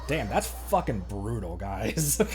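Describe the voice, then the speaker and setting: A man streaming a game, chatting casually in a rambling, halting way that often interrupts itself. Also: lowish voice, sing-song, a little mellow. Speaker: game livestreamer. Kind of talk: casual gaming chat. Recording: music playing behind the voice.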